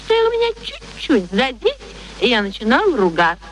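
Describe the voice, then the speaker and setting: A woman's voice: on the high side, huge pitch swings, moderate pace, low-quality recording. An actress playing a proud young former street girl turned lady, speaking with mannered, pointed politeness in a radio play. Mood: wounded, pointed. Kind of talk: theatrical radio play acting. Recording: faint background noise, archive radio recording.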